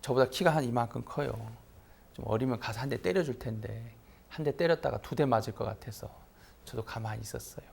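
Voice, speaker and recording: A man's voice: medium pitch, a little fast, vocal fry, slightly rough. A middle-aged man, a pastor, telling a personal story in a sermon and letting his voice rise sharply for emphasis. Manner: lively anecdotal preaching, voice rising sharply for emphasis.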